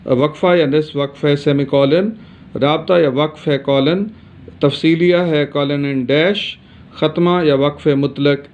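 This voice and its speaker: A man's voice: a little high, steady tone, measured pace, darkish tone. A man from Pakistan teaching a grammar lesson, reading steadily with frequent hesitation sounds. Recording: dull lo-fi recording.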